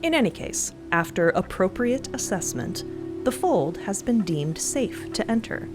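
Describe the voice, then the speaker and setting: A woman's voice: medium pitch, very animated, a little slow, music in the background. A woman narrator reading scripted audio fiction.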